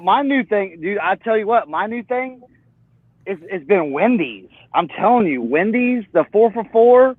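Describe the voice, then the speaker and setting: A man's voice: sits high, expressive, unhurried, no echo. An enthusiastic man chatting emphatically in a casual group call. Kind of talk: casual chat. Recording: tinny phone-like line.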